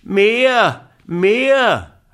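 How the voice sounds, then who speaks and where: A man voicing a greedy little boy who keeps shouting for more, in a storybook reading. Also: sing-song, slow pace, vocal fry, heavily acted. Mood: demanding. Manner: shrill, insistent shouting. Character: demanding little boy in a rolling bed.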